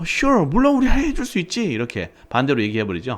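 Vocal fry and very wide pitch swings mark this man's voice. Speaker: English teacher. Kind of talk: tutorial.

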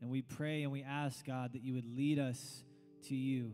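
A man speaks in a monotone with flat intonation. Faint music plays in the background. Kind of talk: stage welcome and spoken prayer. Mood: earnest, prayerful. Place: stage. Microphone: handheld.

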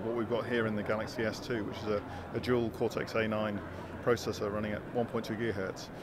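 Loud background noise sits behind a man who speaks at a fairly quick pace in a dry sound with no echo. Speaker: interviewee. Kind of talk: interview answer. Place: hall. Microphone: handheld.

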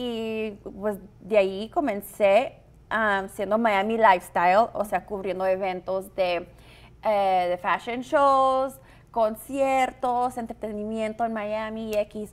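A woman with a fairly high pitch and ordinary pitch variation speaks at a very slow pace. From US Texas, El Paso (Mexican-American); Texas. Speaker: singer and blogger; blogger. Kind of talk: casual interview chat. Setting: studio. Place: studio.

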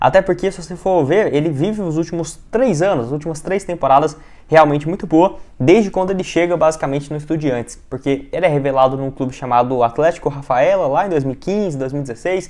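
This man talks at a fairly quick pace, with a fairly high pitch and ordinary pitch variation. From Brazil. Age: 20s. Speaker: football news youtuber. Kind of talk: casual monologue to camera. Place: home room. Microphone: lapel.

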